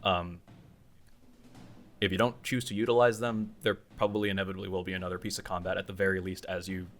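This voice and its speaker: A man narrating a tabletop roleplaying game as game master, improvising in a halting, conversational way as he thinks aloud. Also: sits low, level tone, a bit bright. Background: music.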